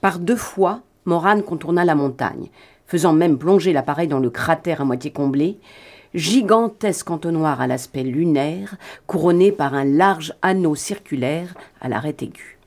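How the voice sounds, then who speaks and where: A woman narrating an adventure novel as an audiobook reader, in an expressive, even-paced reading. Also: low voice, normal speed.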